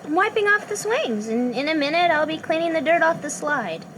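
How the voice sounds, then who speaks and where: A woman's voice: high-pitched, animated, brisk, background noise. An actress playing a playful young woman who teases the man she is talking to. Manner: playful, teasing.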